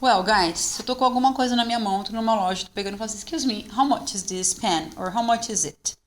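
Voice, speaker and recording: A Brazilian woman with a Brazilian Portuguese accent, teaching English in a bilingual lesson, slowing down to model phrases and checking in with her students. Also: on the high side, slight background noise.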